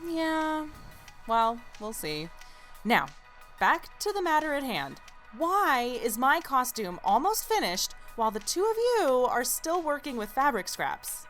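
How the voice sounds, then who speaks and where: A woman playing a brisk, teasing young server chatting with friends in an audio drama. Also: sits high, sing-song, fairly bright tone, soft background music, full character voice. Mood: teasing, bossy.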